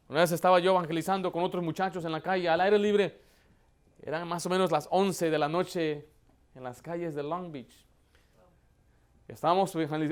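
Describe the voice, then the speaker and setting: A pastor preaching with a notably high-pitched voice for a man. He hammers his points with rhetorical questions and builds to loud, impassioned emphasis. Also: clean tone. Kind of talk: sermon.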